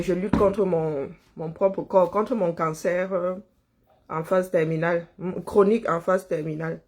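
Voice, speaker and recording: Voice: mid-range voice, creaky, darkish tone. A livestream host, chatting casually and greeting viewers by name, rambling and chuckling and stumbling over words.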